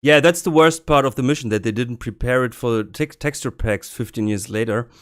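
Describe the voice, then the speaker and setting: A man's voice: mid-range voice, a little fast. A man with a German accent hosting a podcast, talking casually with frequent restarts. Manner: hesitant, many restarts and fillers. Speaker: podcast host. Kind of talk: casual discussion.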